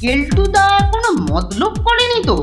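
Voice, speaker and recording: A woman's voice: very high-pitched, huge pitch swings, normal speed, music in the background, exaggerated voice. A woman voicing an obedient but suspicious little schoolboy in a children's cartoon. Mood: wary.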